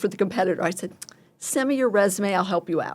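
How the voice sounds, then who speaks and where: A woman has a Southern US accent. She talks at a very fast pace. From northern US. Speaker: executive recruiter. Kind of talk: podcast interview. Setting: studio.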